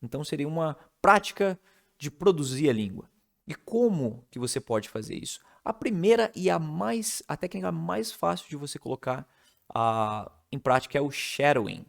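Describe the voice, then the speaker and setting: A man's voice: a little high, big pitch swings, moderate pace, creaky. A man from Brazil gives a casual video lesson on how to learn English. He explains it step by step and keeps checking in with the listener. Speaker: English teacher.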